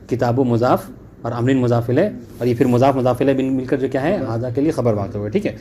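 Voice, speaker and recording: A man teaches Arabic grammar to a class in a dark, mellow voice of medium pitch. He reads the Arabic text slowly, then explains it more quickly, repeatedly asking "clear?" and saying "okay" to check understanding. Faint noise sits in the background.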